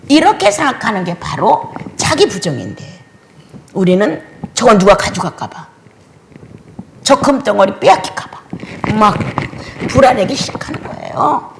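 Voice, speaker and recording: Older woman pastor, dramatic sermon delivery, very animated pitch, faint hiss behind. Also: normal speed, gravelly, long pauses. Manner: dramatic preaching, swinging between loud exclamations and hushed whispers.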